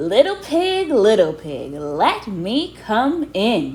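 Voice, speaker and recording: A put-on character voice, growling at a fairly high pitch, with very wide pitch swings and a very slow pace. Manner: growling, menacing.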